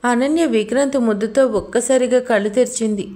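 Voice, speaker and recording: A woman's voice: a little high, brisk, dark tone. A woman narrating a romantic audio story in a scripted, dramatic, emotional way.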